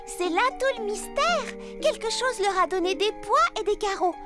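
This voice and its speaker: A woman voicing a sweet, sensible little girl in a dubbed children's cartoon, gentle and earnest. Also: extremely high pitch, lively intonation, moderate pace, music in the background. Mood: puzzled.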